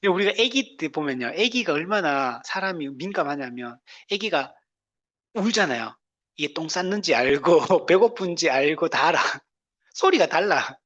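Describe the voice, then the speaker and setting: A pastor delivers a sermon in an easy, conversational way, stopping to ask the congregation "right?" and laughing lightly between phrases. Loud, emphatic lines alternate with soft, low asides. The recording sounds dull and lo-fi, like a church service taped in the sanctuary. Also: lively intonation, moderate pace.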